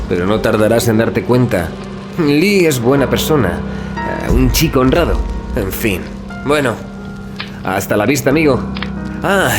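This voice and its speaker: An actor playing a chatty, wry young student in an audio drama, conversational and gossipy. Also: male voice, medium pitch, lightly acted. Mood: friendly, frank. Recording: dialogue over clear background music.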